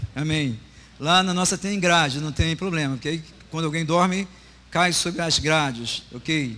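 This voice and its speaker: Talking at a fairly slow pace, a man uses a fairly high pitch with ordinary pitch variation. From Brazil, Rio de Janeiro. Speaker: pastor. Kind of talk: sermon.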